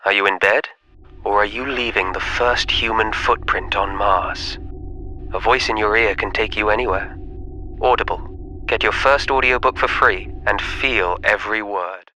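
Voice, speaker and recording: A man's voice: on the low side, moderate pace, bright, forceful tone, a little hiss or hum. A man doing an intimate scripted voiceover for an advert.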